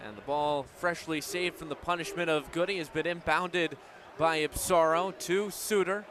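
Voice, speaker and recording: A man's voice: a little high, steady tone, normal speed, a bit bright. A young American man calling live sports as a radio play-by-play broadcaster. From United States. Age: young adult. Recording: live game broadcast, crowd noise behind. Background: crowd and game noise.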